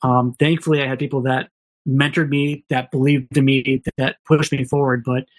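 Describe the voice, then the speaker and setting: A man's voice: mid-range voice, level tone, normal speed. Candid man telling stories on a podcast. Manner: candid, rambling, many restarts and quoted dialogue. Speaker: podcast guest. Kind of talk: casual storytelling.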